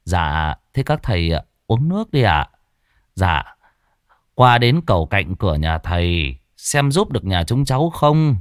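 A man's voice: low-pitched, very animated, measured pace, no room sound, studio quality. A man voicing a nervous, humble middle-aged homeowner who stammers and speaks deferentially. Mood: anxious.

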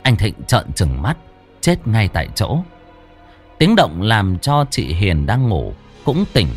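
Low-voiced man narrating a ghost story. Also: takes it slowly. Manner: dramatic, lively storytelling. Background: faint background music.

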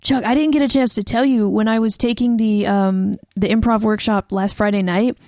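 A young American woman co-hosting a casual chat show, telling a story with lots of fillers and quick laughs. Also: medium pitch, steady tone, darkish tone, no room sound, clean studio sound. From United States. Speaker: podcast co-host.

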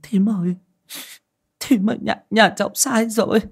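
A grieving mother begs her elder for help in a spoken ghost story, voiced by a woman storyteller. Her voice rises high and unsteady, with a husky tone. She sounds frightened and deferential. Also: normal speed. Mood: tearful pleading. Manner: trembling, pleading, deferential. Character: grieving middle-aged mother, pleading and tearful.

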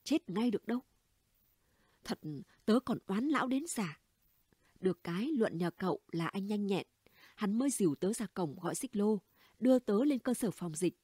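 A brash, gossipy middle-aged neighbor woman, voiced by a female reader spills stories in a chatty, conspiratorial audiobook voice. The tone is warm and mellow with a soft breathy edge. The recording is dry and close. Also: medium pitch, lively intonation, moderate pace, no echo. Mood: gossiping. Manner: chatty, blunt, conspiratorial storytelling. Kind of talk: audiobook character dialogue.

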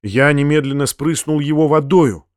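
A man narrating a novel in a measured, steady audiobook reading. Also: on the high side, dry recording, clean studio sound. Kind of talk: scripted narration.

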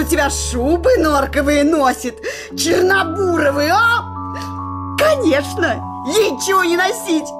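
High-voiced nagging wife, coarse n sarcastic, radio comedy, music behind. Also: female voice. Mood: scornful, aggrieved. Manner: nagging, sarcastic, colloquial and blunt. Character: scolding, jealous working-class wife, sarcastic and coarse. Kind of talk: radio comedy play acting.

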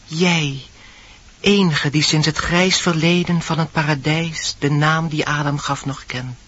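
A solemn, husky dwarf calls out in radio drama verse. Delivery is slow and declamatory, on a muffled old recording. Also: male voice, fairly high pitch, fairly even intonation, fairly bright tone. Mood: imploring.

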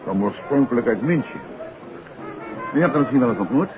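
An actor playing a courteous, probing gentleman detective in a 1950s Dutch radio play, genial and a little hesitant. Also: mid-range voice, animated, fairly quick, crowd noise, close to an everyday voice. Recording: muffled old radio recording, music behind.

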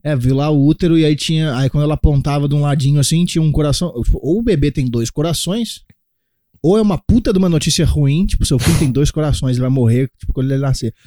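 A man's voice: fairly high pitch, fast, mellow, no echo, clean studio sound. A man co-hosting a casual comedy podcast, telling stories and acting out quotes for laughs. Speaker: podcast co-host.

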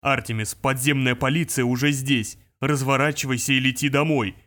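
A man voicing a calm, measured adult bodyguard heard over a radio receiver. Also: medium pitch. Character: calm grown male bodyguard. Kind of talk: audiobook character voice.

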